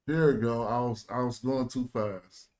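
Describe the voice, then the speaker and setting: A man's voice: mid-range voice, normal speed, a little mellow. An American man speaking African American Vernacular English, teaching informally with loose, slangy phrasing as he hosts an online group lesson. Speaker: host and language teacher. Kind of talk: casual teaching chat in an online group call.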